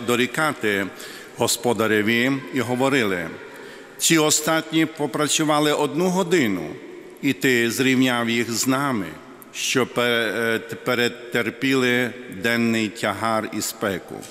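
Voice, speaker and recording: The speech moves at a very slow pace with very even loudness. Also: man, ordinary pitch variation. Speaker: priest. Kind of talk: liturgical Gospel reading. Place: church. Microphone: podium.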